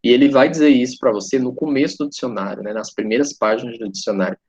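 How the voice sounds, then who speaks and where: A man's voice: mid-range voice, fairly even intonation, fast, a little mellow, slightly rough. A man teaching a lesson, explaining step by step and often checking in with his listeners. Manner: frequent tag questions, pointing at a screen. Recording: dull lo-fi sound.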